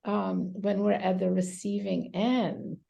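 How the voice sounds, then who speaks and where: A woman from Romania, a psychotherapist answering interview questions thoughtfully over a video call, with many pauses and fillers. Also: medium pitch, little pitch movement, vocal fry, dark tone, lo-fi sound. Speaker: psychotherapist guest.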